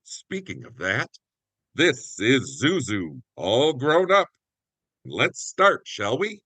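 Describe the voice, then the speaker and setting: A man's voice: medium pitch, huge pitch swings, slow pace, pushed and bright, slightly rough, no echo. A man presenting a show in a scripted, announcer-like introduction. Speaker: presenter and guest actor.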